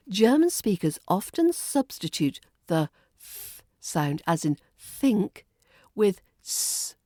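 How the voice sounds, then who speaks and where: A woman with a modern British Received Pronunciation accent teaches pronunciation in a scripted lesson, enunciating precisely and repeating words deliberately. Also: fairly low pitch, dark tone, no echo, clean studio sound.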